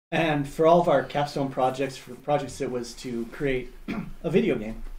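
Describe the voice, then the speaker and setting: Audible room echo surrounds a man's voice. His intonation stays fairly even. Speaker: guest streamer. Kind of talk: casual live stream chat. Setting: live stream.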